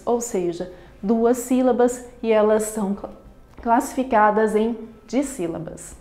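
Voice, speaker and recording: A woman's voice: on the high side, mellow, reverberant. A woman teacher giving a grammar lesson, explaining patiently and repeating key terms. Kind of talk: classroom lesson.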